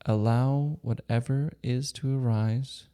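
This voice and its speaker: A man leading a guided meditation, giving calm, gentle, unhurried instructions with long pauses between short phrases. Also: mid-range voice, smooth. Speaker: meditation teacher.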